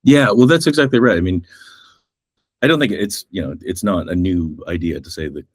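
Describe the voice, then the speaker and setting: A middle-aged man from Canada with a North American accent, speaking as an agency executive in a thoughtful interview, measured with frequent ums. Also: low voice, breathy edge, no room sound, clean studio sound. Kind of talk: reflective interview talk.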